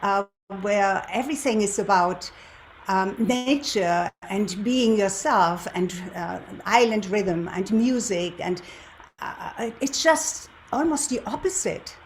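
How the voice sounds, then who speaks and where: A woman in her seventies from Germany, a native German speaker with a German accent, hosts a show, introducing herself and telling her story in a deliberate manner with rhetorical questions. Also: medium pitch, animated, slight background noise. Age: 70s. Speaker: show host, lifestyle and relationship coach. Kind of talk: presenter's introduction and personal storytelling to viewers.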